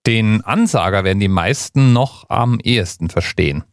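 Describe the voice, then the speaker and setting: Male host from Bavaria, lower voice, casual explainer delivery, dry. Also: expressive, normal speed, no echo. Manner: conversational, explanatory. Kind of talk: scripted explainer narration.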